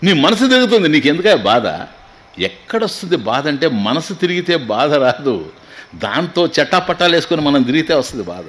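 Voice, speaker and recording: A man's voice: a little high, very animated, a little fast, fairly bright tone. A man, a swami, giving a spiritual discourse to listeners, asking rhetorical questions and mixing in English phrases. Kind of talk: Vedanta discourse in Telugu.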